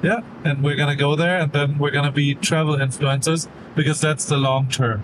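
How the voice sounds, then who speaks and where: Speaking at a fairly quick pace with a German accent, a man keeps a fairly high pitch, fairly even intonation and very even loudness, with noticeable background noise behind him. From Germany. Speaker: podcast host. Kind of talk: casual chat. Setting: airplane cabin. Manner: loud, shouting over noise.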